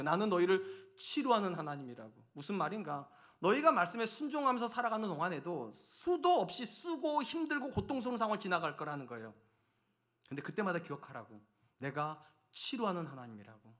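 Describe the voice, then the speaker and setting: Guy pastor preaching sunday sermon, pretty high voice, really animated ups and downs, lots of rhetorical questions. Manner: reads scripture aloud slowly. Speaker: senior pastor.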